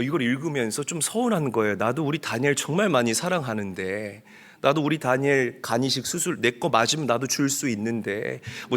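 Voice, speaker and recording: A middle-aged male pastor preaching a sermon, swinging from soft storytelling to loud pleading. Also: mid-range voice.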